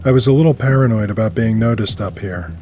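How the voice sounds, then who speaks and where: A man with a fairly low voice narrates a first-person urban fiction story. Music plays clearly behind his scripted narration. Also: fast, darkish tone.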